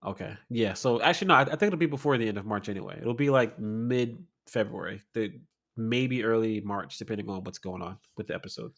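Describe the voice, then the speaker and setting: Young male co-host, low-ish voice, easygoing chatter, quick to laugh, repeats himself. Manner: relaxed, laughs often, repeats words. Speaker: podcast co-host. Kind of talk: casual chat.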